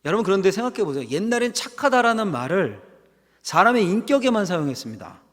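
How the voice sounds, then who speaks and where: A man's voice: high voice, very animated, quick pace. A middle-aged male pastor giving a conversational sermon, asking the congregation questions. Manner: conversational preaching with rhetorical questions and acted quotes. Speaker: senior pastor. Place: church sanctuary. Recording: long hall reverb.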